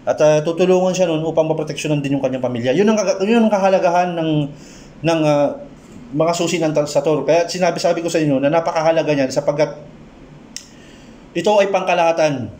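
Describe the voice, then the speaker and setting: Man telling a healing story, halting and mellow. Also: reverberant. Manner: slow, halting, with many pauses and restarts; drops low and soft when quoting his prayers and advice. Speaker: folk healer sharing a story. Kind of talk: storytelling monologue.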